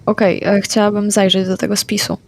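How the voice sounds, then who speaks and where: Woman playing a vampire tabletop game, pretty monotone, straight to the point. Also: mid-range voice. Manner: quick, plain, declares actions. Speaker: player.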